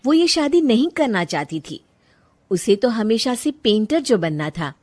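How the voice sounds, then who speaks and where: A woman narrating a Hindi cartoon moral story in a calm storytelling way. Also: on the high side, measured pace.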